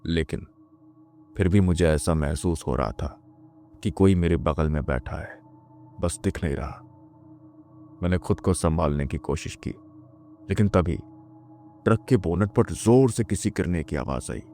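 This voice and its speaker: A man telling a scripted first-person horror story in a slow, measured way. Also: low-pitched, dark tone, slight background noise.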